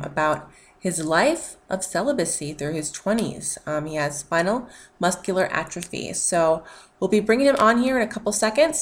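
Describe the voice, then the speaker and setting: A woman's voice: mid-range voice, a little hiss or hum. Chatty upbeat woman hosting a podcast. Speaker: podcast host. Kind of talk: casual interview chat.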